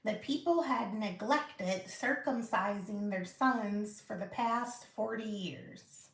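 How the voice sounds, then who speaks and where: A woman hosting a live Bible reading and study, reading aloud slowly and carefully with small slips and restarts. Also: mid-range voice, gravelly, echoey room. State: out of breath.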